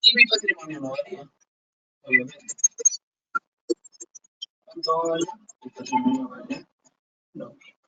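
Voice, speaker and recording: A slightly high, sharp-toned man teaches accounting online at a measured pace, his pitch swinging widely and long pauses breaking up his step-by-step explanations and rhetorical questions. A distant, dull mic adds faint hiss.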